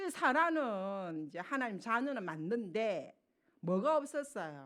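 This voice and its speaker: Her voice is fairly high, with a bright, sharp tone and very wide pitch swings. The woman sounds animated yet speaks at a fairly slow pace. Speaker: preacher. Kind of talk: sermon.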